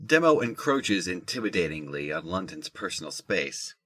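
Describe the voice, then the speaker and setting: Deep, husky male narrator. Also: sing-song, normal speed, pushed and bright. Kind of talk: scripted audio drama narration.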